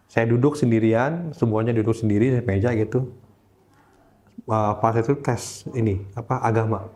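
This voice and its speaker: Man telling a story with animated delivery. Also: mid-range voice, moderate pace. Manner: animated, acts out the voices of people in his story; searches for words with frequent fillers. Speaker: interview guest recounting a religious conversion. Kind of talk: casual storytelling in conversation.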